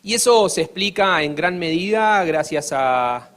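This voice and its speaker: Argentine guy on a panel, kinda high voice, lots of ehs and restarts, earnest. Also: expressive, measured pace, fairly bright tone. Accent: Argentine Spanish. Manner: earnest, many hesitations and restarts. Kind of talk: formal panel talk.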